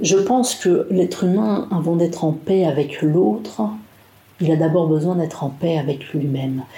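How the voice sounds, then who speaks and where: Over noticeable background noise, a woman with a fairly low pitch speaks at a fairly slow pace, her loudness very even and her intonation lively. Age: 40s. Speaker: protestant pastor. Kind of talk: testimony. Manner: halting.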